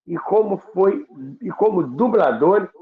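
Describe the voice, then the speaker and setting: A Brazilian man hosting a reminiscing talk, halting and repeating words as he searches for them, on a roomy, dull recording. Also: sits high, animated. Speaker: host of a radio history show.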